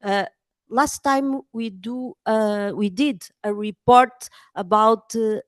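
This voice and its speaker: A Portuguese-accented woman speaking English as a second language, a journalist giving a halting conference talk full of fillers. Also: a little high, dry recording, clean studio sound. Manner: hesitant, many pauses and fillers. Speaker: journalist and editor.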